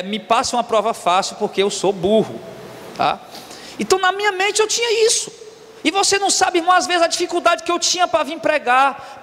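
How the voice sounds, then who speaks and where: A man's voice: extremely high pitch, a bit bright, long reverb tail. A Brazilian man in his forties preaching a sermon as a pastor, emphatic and repetitive, calling his listeners brothers. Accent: Brazilian Portuguese. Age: 40s. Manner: emphatic preaching, repeats key words, addresses listeners as brothers.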